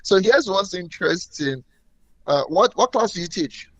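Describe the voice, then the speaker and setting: A man's voice: sits high, animated, moderate pace, no echo, low-quality recording. Dry-sounding male radio host. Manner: friendly, repeats himself, laughs often. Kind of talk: casual on-air chat.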